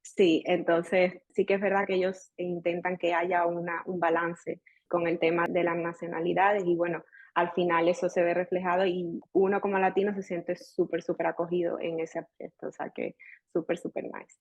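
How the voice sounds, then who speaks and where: A woman's voice: fairly low pitch, little pitch movement, moderate pace, dry recording, muffled recording. A young Spanish woman from Seville, with an Andalusian accent, chatting as a dentist guest on a podcast and mixing English words into her Spanish. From Spain. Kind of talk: casual podcast interview.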